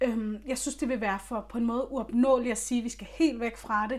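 At a fairly quick pace, a woman talks in a fairly high pitch with fairly even intonation and an ordinary speaking voice. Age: 20s. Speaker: podcast host. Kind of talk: casual chat.

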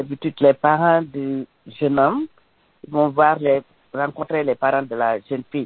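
Very deep and low, a woman's voice moves at a fairly slow pace. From Senegal. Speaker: guest speaking on customary marriage. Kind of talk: radio interview. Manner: halting.

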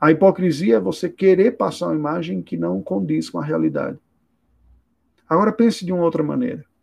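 Against a quiet background, a man speaks at a fairly quick pace in a warm tone. Long, frequent pauses break up his speech. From Brazil, Paraíba (Campina Grande). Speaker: pastor. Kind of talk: livestreamed Bible study talk. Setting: online livestream. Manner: warm, conversational.

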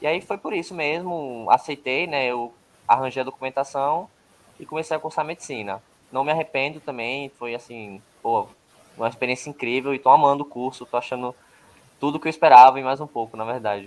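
A man with an unremarkable speaking voice talks at a fairly quick pace, with a fairly high pitch and ordinary pitch variation. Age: 20s. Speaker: medical student and physics tutor. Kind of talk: casual chat.

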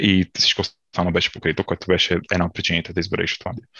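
A man speaks at a very deep, low pitch. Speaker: software engineer. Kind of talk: interview. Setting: video call. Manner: halting.

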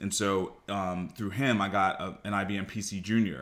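Fairly low in pitch, a man has an ordinary speaking voice with fairly even intonation. It is a very clean recording with a silent background. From Brooklyn, New York. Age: 40s. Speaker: father and executive mentor. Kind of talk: casual interview.

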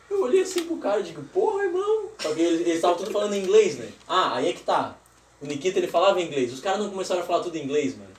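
A man speaks at a very fast pace with big swings in loudness, while noticeable background noise sits underneath. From Braço do Norte, Santa Catarina, Brazil. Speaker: podcast guest storyteller. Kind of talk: casual chat.

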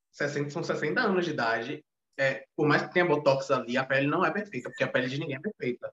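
With a Brazilian accent, a man talks at a fairly quick pace and a fairly high pitch with ordinary pitch variation, in a dry, close sound with no echo. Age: 20s. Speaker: journalist and audiovisual worker. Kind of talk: casual chat.

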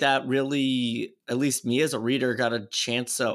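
This man has an unremarkable speaking voice, medium in pitch with fairly even intonation, captured on a very clean recording over a silent background. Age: 30s. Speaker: podcast co-host. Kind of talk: casual chat.

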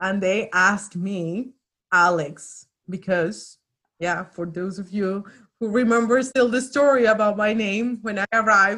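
A woman with a Spanish accent speaks at a moderate pace and medium pitch, using ordinary pitch variation and a bright, sharp tone. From Colombia. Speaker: improv performer. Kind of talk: casual chat.

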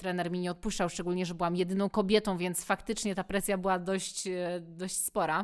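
Speaking at a fairly quick pace, a woman with a medium pitch keeps a monotone, flat intonation on a very clean recording with a silent background. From Silesia, Katowice. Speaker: personal trainer. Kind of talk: interview.

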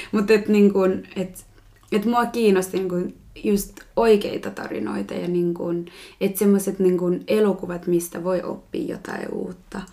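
The woman's tone is dark and mellow, at a medium pitch. She talks at a fairly slow pace with fairly even intonation. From Rwanda. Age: 20s. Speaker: film club organizer. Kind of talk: casual chat.

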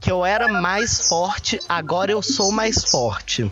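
Over music in the background, a man speaks at a very slow pace with lively intonation. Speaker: podcast host. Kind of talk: casual chat. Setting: small room with odd echo. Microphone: echo.

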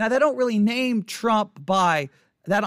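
A man talks at a moderate pace in an animated tone with a high pitch. The recording is very clean with a silent background, and the sound is dry and close with no echo. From West Texas. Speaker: podcast host. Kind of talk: solo podcast monologue.

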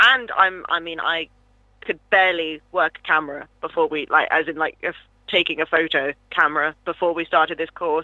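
A woman with a British accent and a fairly low pitch speaks at a moderate pace with fairly even intonation and big swings in loudness. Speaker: master's student. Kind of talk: casual interview chat. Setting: remote call.

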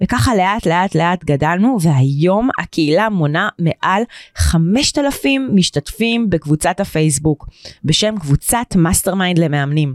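Recorded with a dry, close sound and no echo, a woman speaks at a fairly slow pace with fairly low pitch and lively intonation. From Israel, immigrated from France at age three. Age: 40s. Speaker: business coach for therapists, podcast host. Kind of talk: podcast monologue.

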